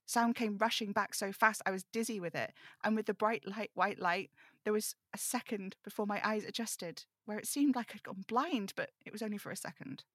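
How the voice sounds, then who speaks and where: Sardonic, world-weary supernatural radio host, played by a woman for audio drama; mid-range pitch, very dry close sound. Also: fairly quick, few pauses, slightly rough, no room sound, natural voice. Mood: grave, shaken. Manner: wry, sardonic, brooding. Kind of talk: audio drama table read.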